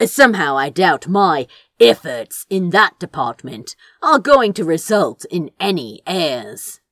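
A woman's voice: lowish voice, very animated, takes it slowly, a bit bright, dry recording, full character voice. Woman as an insolent, sardonic young-rebel sorcerer. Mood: sardonic, dismissive. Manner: drawling, flippant, dry sarcasm. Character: insolent, sardonic male sorcerer, defiant and weary.

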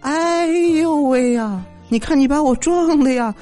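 A man voicing a loud, scheming middle-aged mother who wails melodramatically. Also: unhurried, faint music behind. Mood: wailing. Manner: shrill, melodramatic wailing.

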